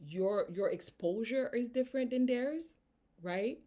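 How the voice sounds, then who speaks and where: A woman's voice: on the high side, expressive, measured pace, mellow. A woman from Haiti with a Haitian accent, giving an earnest motivational talk and tagging her points with "right?". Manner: earnest, tags statements with "right?". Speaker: business coach.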